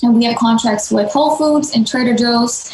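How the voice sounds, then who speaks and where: A woman's voice: on the high side, normal speed, darkish tone, slight background noise. A woman, telling her story as a podcast guest in a casual way, with lots of "um" and "like". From Denmark. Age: late 20s. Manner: fluent, many fillers like "um" and "like". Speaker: guest, nonprofit founder. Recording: echoey room.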